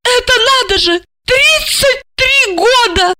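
A woman's voice: very high-pitched, very animated, unhurried, pushed and bright, voice pushed up, exaggerated voice. A woman voicing a hysterical, jealous young woman of twenty-eight who squeals in indignation. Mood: anguished.

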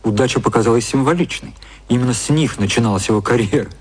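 A man narrating a literary radio play in a measured storytelling style. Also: medium pitch, husky, natural voice.

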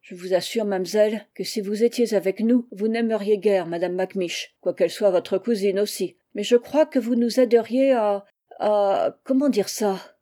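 A woman's voice: mid-range voice, fairly even intonation, moderate pace, dark tone, natural voice. A woman voicing a kind, protective servant woman in a storybook, speaking familiarly.

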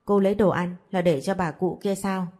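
A woman's voice: fairly low pitch, steady tone, normal speed, dark tone, soft background music, close to an everyday voice. A woman voicing a stern, blunt young father who talks in a curt, lecturing way.

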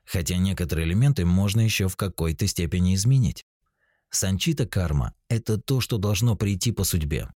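A man in his forties narrates a spiritual self-help teaching, calm and explanatory. His voice sits very low with a mellow, dark tone. The recording is dry and close, with no room around it. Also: fairly quick, dry recording. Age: 40s. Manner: calm, explanatory, addresses the listener directly.

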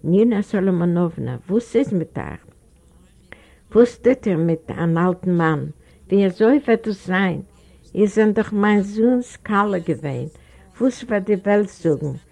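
A woman's voice: medium pitch, lively intonation, a little slow, creaky, mellow. A woman voicing a broken old man who pleads earnestly. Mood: alarmed.

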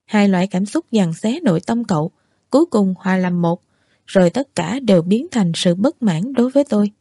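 A woman reading a novel aloud as an audiobook narrator, in steady, measured first-person narration. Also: mid-range voice, dry recording, studio quality.

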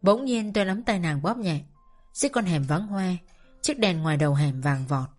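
A woman reading a first-person story aloud in a calm, measured narration. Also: on the low side. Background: faint music.

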